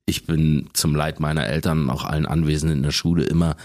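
A man in his forties with an extremely deep bass voice, telling stories casually as the guest in an interview. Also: steady tone, fast talker, a little mellow, no room sound, studio quality. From Germany.

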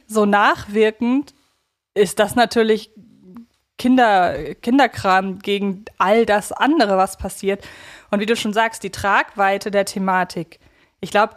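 A woman co-hosting a casual podcast speaks in a medium-pitched voice, analyzing things reflectively and articulately. She works out her thoughts as she goes.

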